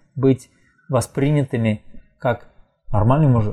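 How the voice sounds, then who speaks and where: This man has an ordinary speaking voice at a medium pitch. His pitch moves in an ordinary way. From Tajikistan. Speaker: emotional intelligence speaker. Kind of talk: podcast conversation.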